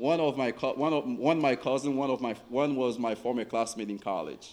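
A man speaks with lively intonation and a Haitian accent. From rural Haiti. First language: Haitian Creole or French. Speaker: graduate student. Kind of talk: testimony. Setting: church.

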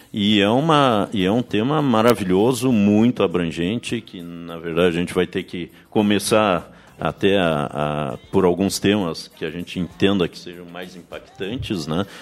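Over music in the background, the speaker goes at a fairly slow pace, with big swings in loudness and ordinary pitch variation. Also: man, very deep, low pitch for a man. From Pelotas, Rio Grande do Sul, Brazil. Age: 50s. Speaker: council president. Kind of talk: radio interview. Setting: radio studio.

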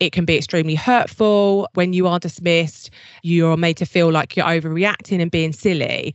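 In an unremarkable speaking voice, a woman talks at a moderate pace with a fairly low pitch, fairly even intonation and very even loudness. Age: 30s. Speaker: podcast co-host. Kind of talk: casual chat.

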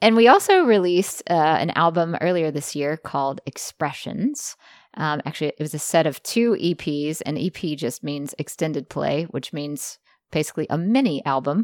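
A woman with an American accent speaks at a moderate pace in a very deep, low voice with lively intonation, recorded dry and close with no echo against a silent background on a very clean track. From US South, Jackson, Mississippi. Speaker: singer-songwriter and author. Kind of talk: casual interview chat.

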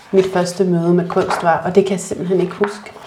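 A woman talks fairly quickly at medium pitch in a monotone, flat intonation. Noticeable background noise and audible room echo accompany her. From Denmark, north Zealand (Frederiksværk area). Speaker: art photographer. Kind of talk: interview. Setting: studio.

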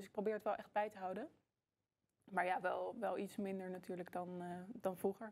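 This is a woman with a plain, everyday voice, medium in pitch. Her intonation is fairly even and her pace moderate. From Netherlands, The Hague. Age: 20s. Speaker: politician and biochemist. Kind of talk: interview.

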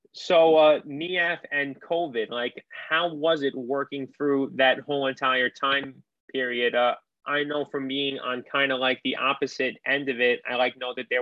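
A moderate pace and fairly even intonation from a man with an unremarkable speaking voice and a medium pitch. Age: 20s. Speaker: podcast host. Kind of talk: casual interview.

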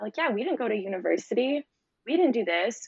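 With a Canadian accent, a woman talks fairly quickly in a normal speaking voice with lively intonation. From Toronto, Canada. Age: 20s. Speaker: retreat host and TikTok content creator. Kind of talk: casual chat.

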